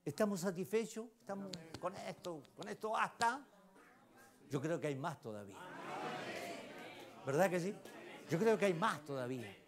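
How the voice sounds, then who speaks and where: A man with a Chilean accent preaching a sermon, often turning to the congregation with questions and swinging between loud exclamations and hushed asides. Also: high voice, animated, moderate pace, long pauses. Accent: Chilean Spanish. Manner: emphatic, keeps asking the congregation rhetorical questions. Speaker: lay preacher.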